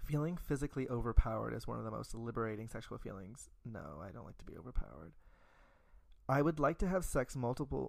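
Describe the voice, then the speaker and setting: The voice moves at a very fast pace with very wide pitch swings. Vocal fry runs through it. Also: man. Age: 20s. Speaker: podcast co-host. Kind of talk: casual chat.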